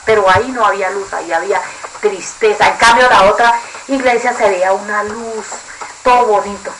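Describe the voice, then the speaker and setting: Colombian woman haltingly recounting a dream. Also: medium pitch, fairly bright tone, slight background noise, rough recording. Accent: Colombian Spanish. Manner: halting, with restarts, searching for words. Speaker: interviewee giving a testimony.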